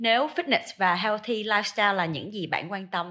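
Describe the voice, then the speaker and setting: Here is a woman with a plain, everyday voice. She speaks at medium pitch and a moderate pace. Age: 20s. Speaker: fitness coach and podcast host. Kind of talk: casual podcast chat.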